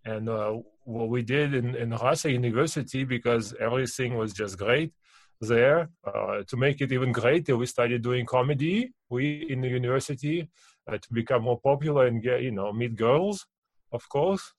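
Halting man with a heavy French accent. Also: medium pitch, dry recording. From Kazakhstan. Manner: halting, many restarts and fillers. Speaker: podcast guest, business owner. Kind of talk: casual interview chat.

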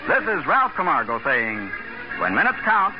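A man's voice: fairly high pitch, wildly swooping pitch, moderate pace. A man announcing in scripted, dramatic 1940s radio style. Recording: muffled 1940s radio recording. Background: music.

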